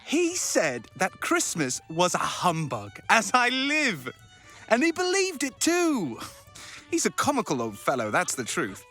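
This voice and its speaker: An actor playing a jovial, hearty, good-natured young nephew in a Victorian audio drama. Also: male voice, high voice, unhurried, faint music behind, heavily acted. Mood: merry, amused. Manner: merry, hearty, animated.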